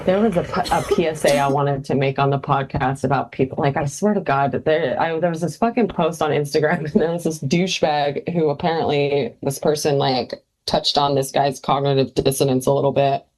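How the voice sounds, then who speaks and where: Woman, low voice, podcast co-host, casual chat, blunt, swears a lot. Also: steady tone, a little fast, a little mellow. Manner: blunt, profane, laughs often.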